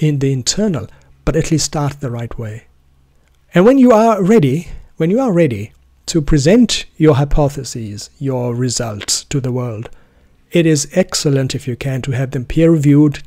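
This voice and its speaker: A man whose first language is Urdu gives an earnest, deliberate solo talk about his method of study, often restarting phrases to stress a point. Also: fairly high pitch, dark tone, no room sound, clean studio sound. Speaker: Quran student presenting his method.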